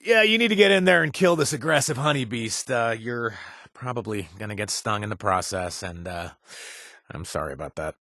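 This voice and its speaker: A wisecracking laid-back mercenary. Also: male voice, medium pitch, animated, brisk, pushed and bright, no room sound, studio quality. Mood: casual. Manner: casual, joking, with filler "uh"s. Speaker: quest-giving companion. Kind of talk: video game voice acting. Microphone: dry studio recording.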